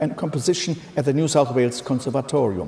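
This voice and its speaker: Speaking at a fairly quick pace, a man talks with a German accent. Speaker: musicologist. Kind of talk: lecture. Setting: lecture hall with audience. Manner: reading from a script, some stumbles.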